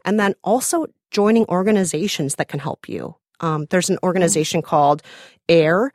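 A woman's voice: on the low side, normal speed, a little mellow, no echo, clean studio sound. A woman with a Minnesota accent, chatting enthusiastically as a podcast guest. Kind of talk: casual interview chat.

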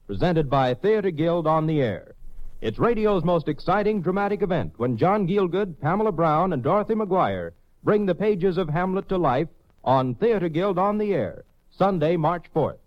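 A man announcing from a script in a formal, measured 1950s radio style, on a dull old recording. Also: a little high.

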